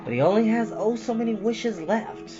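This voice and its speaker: A man reading a storybook aloud as host, with expressive, deliberately stressed phrasing. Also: high-pitched. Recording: dull lo-fi sound with music behind.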